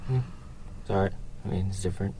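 A man's voice: low-pitched, fast talker, warm tone, slightly rough. A young man from Vietnam with a Vietnamese accent, giving casual, hesitant interview answers in colloquial English. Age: young adult. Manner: hesitant, colloquial, hedging with "you know". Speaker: interviewee, economics student.

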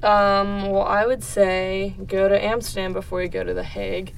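A woman's voice: mid-range voice, level tone, moderate pace, vocal fry. A young woman from the Netherlands answering interview questions in a casual, informal way, often hedging tentatively. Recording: distant mic, faint background noise.

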